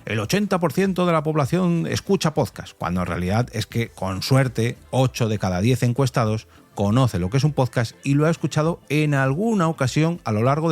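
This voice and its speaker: A man's voice: medium pitch, a little mellow. Conversational man hosting a podcast. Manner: conversational, explanatory, with asides. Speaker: podcast host. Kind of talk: solo podcast monologue.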